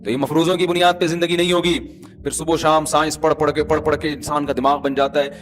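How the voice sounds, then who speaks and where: Animated man preaching a lively sermon. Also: on the high side, faint music behind. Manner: animated, rhetorical, teasing the audience. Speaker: Islamic preacher. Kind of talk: conversational sermon.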